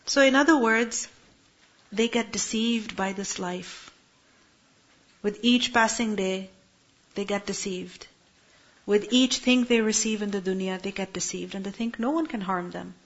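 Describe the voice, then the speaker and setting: A woman's voice: medium pitch, unhurried, pauses often. A woman teaching a Quran lesson to a class, explaining Arabic words one by one and posing rhetorical questions to her students. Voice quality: asks rhetorical questions, translates Arabic word by word. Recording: muffled lo-fi recording.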